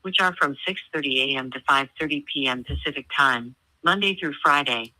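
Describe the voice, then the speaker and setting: A man's voice: on the high side, brisk, no room sound. A man's recorded phone message, an automated customer-care menu with polite, scripted prompts, heard over a phone on speaker. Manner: polite, even, announcing. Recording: tinny phone line on speaker.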